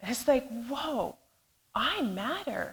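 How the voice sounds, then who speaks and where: A woman talks loudly. She has a Canadian accent. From western Canada (Vancouver Island, BC). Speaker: storytelling event speaker. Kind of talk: personal testimony.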